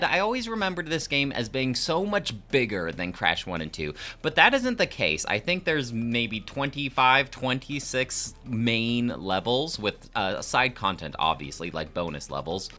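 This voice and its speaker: A man's voice: on the low side, bright, forceful tone. A man giving a casual, conversational video game review with frequent fillers.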